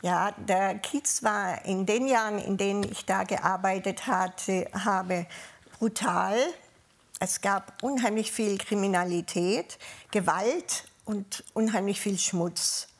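A woman with a southern German accent, a former police officer, recalling her years on duty in a measured way with frequent hesitations. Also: mid-range voice, steady tone. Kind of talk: panel talk, personal recollection.

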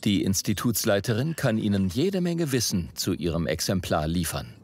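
A man reading scripted voice-over narration for a TV report in a measured, even way. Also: lowish voice, slight background noise. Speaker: documentary narrator.

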